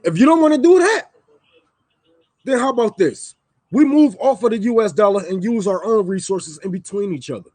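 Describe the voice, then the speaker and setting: A man's voice: high voice, lively intonation, moderate pace, darkish tone, no room sound. A man on a livestream, ranting heatedly and with profanity, repeating lines for emphasis. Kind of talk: livestream rant. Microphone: microphone.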